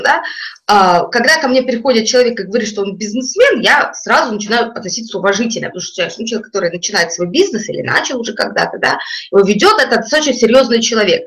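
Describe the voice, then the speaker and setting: A middle-aged woman, an English coach, telling stories in an interview and acting out the people she quotes. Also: fairly high pitch. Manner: animated storyteller, voices the people she quotes. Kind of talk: lively interview talk with acted-out anecdotes.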